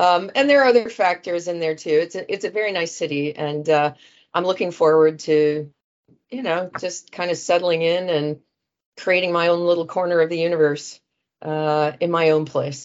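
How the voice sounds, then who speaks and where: A woman speaks with a Midwestern accent. Her pitch is fairly low. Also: ordinary pitch variation, moderate pace. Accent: American Midwest. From US Midwest, Dayton, Ohio. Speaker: localization sales consultant. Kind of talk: interview.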